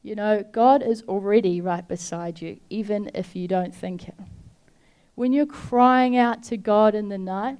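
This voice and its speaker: A woman giving an earnest devotional talk, speaking straight to the listener in a heartfelt, gently urging way. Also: medium pitch, a little slow, smooth.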